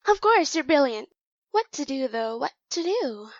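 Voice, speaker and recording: A woman's voice: high voice, sing-song, normal speed, dry recording, lo-fi sound. A woman playing a quirky, scheming mirror clone with theatrical manner in an amateur audio drama. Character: mirror-born female clone, quirky aspiring world conqueror.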